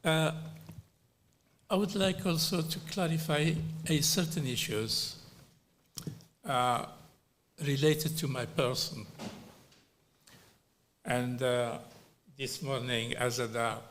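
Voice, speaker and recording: Slow, deliberate man from Algeria. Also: mid-range voice, fairly bright tone, slight background noise. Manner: slow and deliberate, with frequent pauses and fillers. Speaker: panel speaker at a human rights hearing. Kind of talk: formal prepared speech.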